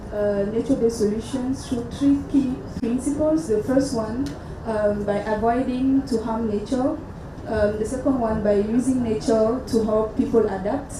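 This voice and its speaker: A woman answers on a conference panel in a measured, halting way, filling pauses with ums. Her slightly high voice is caught from a distance in a very echoey hall. Steady noise runs underneath. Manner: measured, halting with many fillers. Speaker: panelist from a conservation group.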